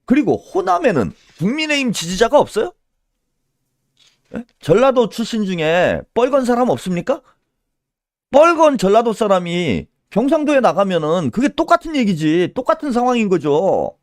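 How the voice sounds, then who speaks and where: A man's voice: high-pitched, sing-song, moderate pace, dry recording, studio quality. A man doing solo political commentary in a scolding tone, firing rhetorical questions and tagging them with a pushy "eh?".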